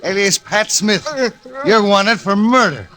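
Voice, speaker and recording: An actor playing a blunt, demanding police officer in a 1940s radio play. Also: male voice, high-pitched, a little slow, over loud music.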